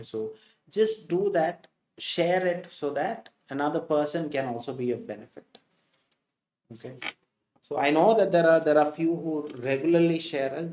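A man's voice: mid-range voice, dark tone, echoey room. A man in his forties with a Kerala Indian English accent, teaching an English exam class live online in a chatty way, greeting students by name. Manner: chatty, repeats "okay" and "you know". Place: small indoor studio set.

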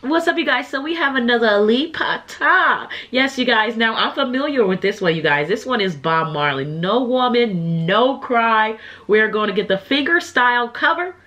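A woman's voice: fairly high pitch, lively intonation, normal speed, sharp tone, muffled recording. A young woman hosting a reaction video in a small room, chatting to viewers while she has a slight cold. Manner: chatty, addresses viewers as "you guys". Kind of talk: casual reaction chat. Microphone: webcam, headphones on.

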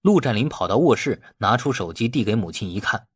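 A man reads a novel as an audiobook narrator. His voice is fairly low and husky, with lively movement in his intonation. It is a scripted, storytelling delivery. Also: brisk, dry recording, clean studio sound.

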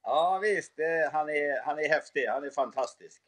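A man's voice: fairly high pitch, fairly bright tone. A middle-aged man chatting casually as an interview guest on a video call from home. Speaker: guest, moose park keeper. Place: room at home, indoors. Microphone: phone video call.

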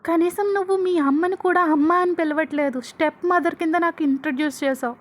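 A woman voicing a furious, possessive young man who shouts cutting, scornful words. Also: very high-pitched, steady tone, brisk.

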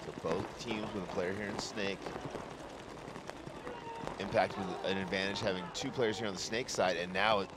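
A man giving measured, explanatory color commentary on a live match. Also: deep voice, fairly even intonation, heavy background noise. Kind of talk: live sports analysis. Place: outdoor paintball field.

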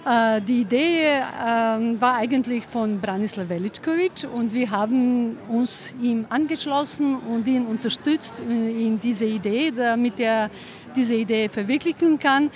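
A woman answering interview questions outdoors, hesitating with many fillers. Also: a little high. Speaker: gallery founder. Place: outdoor street festival. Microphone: handheld mic.

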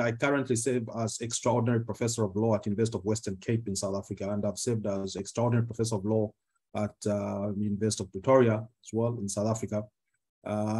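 A man from Zambia in his fifties, a law professor giving a formal, measured presentation on a video call, with frequent fillers. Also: medium pitch, a little mellow, breathy edge. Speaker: guest speaker, law professor. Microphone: computer mic on a video call.

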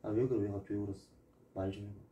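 A man's voice: lowish voice, flat delivery, racing, dark tone, highs cut off, slight background noise. Pleading man streamer, slightly distant. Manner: pleading, repeats questions over and over. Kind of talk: casual chat on a live stream.

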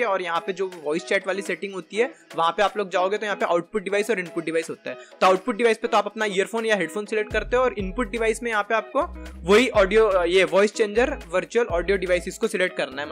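Fast, high-pitched young man. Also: a bit bright. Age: 20s. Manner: informal, chatty, Hindi mixed with English tech words. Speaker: video tutorial presenter. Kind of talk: casual software tutorial for gamers. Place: indoor room at a gaming chair, voice over screen capture. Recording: music behind the voice.

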